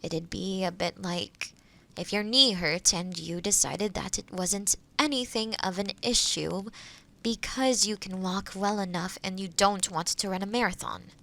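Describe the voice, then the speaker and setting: A woman playing a kind, gentle forest witch in an audio roleplay, speaking softly and soothingly to the listener. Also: medium pitch, a little slow, vocal fry, low-quality recording. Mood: gently reasoning. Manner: soothing, caring, softly breaking into whispers. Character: kind, gentle forest witch who loves helping others.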